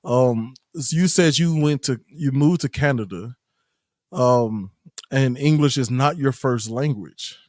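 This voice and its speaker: A man's voice: medium pitch, measured pace, a little mellow, no echo, studio quality. A man hosting a podcast, interviewing in a casual conversational style. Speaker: podcast host.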